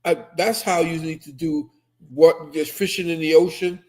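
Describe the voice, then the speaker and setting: Older guy from trinidad on a video call, slightly high voice, preachy and emphatic. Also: steady tone, normal speed, a little mellow. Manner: emphatic storyteller, lectures with conviction. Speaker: co-host. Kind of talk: casual video call chat. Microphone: webcam on video call.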